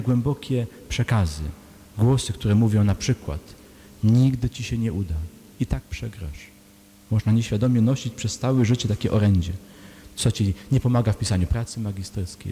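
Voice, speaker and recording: A man's voice: fairly low pitch, mellow. A man preaching a sermon, pleading with his listeners through long runs of rhetorical questions. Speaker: priest. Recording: long hall reverb, faint hum.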